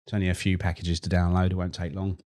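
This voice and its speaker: A middle-aged man hosting a screen-recorded tech tutorial, chatty and relaxed, repeating words as he works. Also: deep voice, fast talker.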